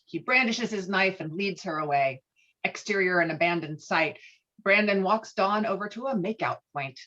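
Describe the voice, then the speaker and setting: A woman narrates screenplay directions on dull, muffled audio. Her voice sits at a medium pitch as she reads the scripted action. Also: lively intonation, moderate pace, a bit bright. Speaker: stage-direction reader.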